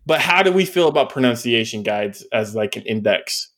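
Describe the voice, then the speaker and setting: Male podcast host, mid-pitched, hesitant and thoughtful, asks questions. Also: lively intonation, normal speed, a bit bright, a little hiss or hum. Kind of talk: casual chat.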